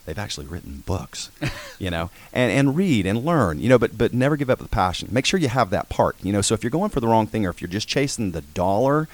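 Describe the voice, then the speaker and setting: Deep-voiced man, rambling. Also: big pitch swings, brisk. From Georgia, USA. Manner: rambling, self-correcting, folksy. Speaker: orthodontist guest. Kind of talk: casual radio interview. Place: radio studio. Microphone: studio mic with headphones.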